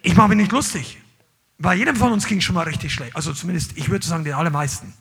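Emphatic male preacher, bright husky voice. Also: fast talker. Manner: emphatic, swings between loud calls and low asides. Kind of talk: sermon. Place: church hall with live congregation.

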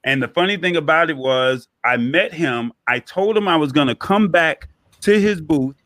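A man's voice: on the high side, lively intonation, normal speed, fairly bright tone, dry recording. A man hosting an interview, chatting in an enthusiastic, loose and slangy way. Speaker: show host. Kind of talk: casual interview chat.

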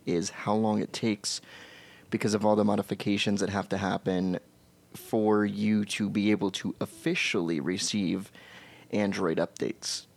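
A man with a fairly low voice co-hosting a casual tech podcast. He speaks earnestly and holds firm opinions. He also pokes gentle fun at himself. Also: little pitch movement, measured pace, gravelly. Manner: earnest and opinionated, with wry self-aware humor. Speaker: podcast co-host.

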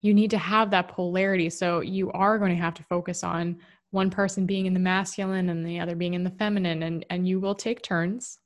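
Woman, lowish voice, candid, rambling, casual monologue, restarts sentences. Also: flat delivery, a little fast. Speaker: relationship and spirituality talker.

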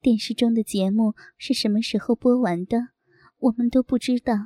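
A woman reading a first-person story aloud in a soft, intimate, unhurried way. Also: on the high side, steady tone, no room sound, studio quality.

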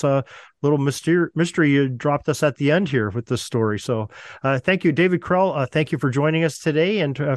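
A man's voice: mid-range voice, no room sound. A man hosting a podcast, chatting casually and in a friendly way with many fillers. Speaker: podcast host. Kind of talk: casual interview chat.

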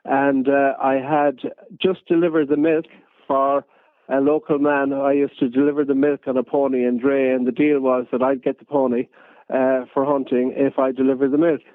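A man with a west of Ireland accent reminisces as a guest in a radio interview. He tells his stories in an unhurried way, at a middling pitch. The sound is narrow and phone-like, with no room echo. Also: level tone. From County Galway, west of Ireland. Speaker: interview guest, photojournalist and fox hunter.

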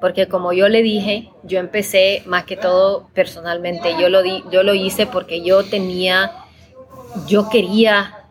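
Woman, from El Salvador, podcast producer, interview guest, thoughtful, repeats words, tag questions, middle pitch. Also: little pitch movement, unhurried, crowd noise. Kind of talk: conversational interview.

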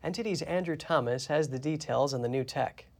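A male news anchor reads his script in a steady, clear manner. His voice sits a little higher than most men's. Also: brisk.

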